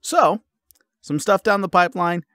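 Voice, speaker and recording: A man giving his listeners a casual update as an audio creator, informal and halting as he thinks aloud. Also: high-pitched, sharp tone, no room sound, clean studio sound.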